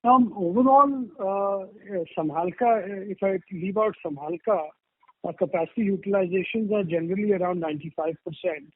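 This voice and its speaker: A man with an Indian accent answering earnings call questions as a company executive, measured, hesitant and careful, over a telephone line. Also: high-pitched, no echo. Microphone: telephone conference line. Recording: tinny narrow phone line.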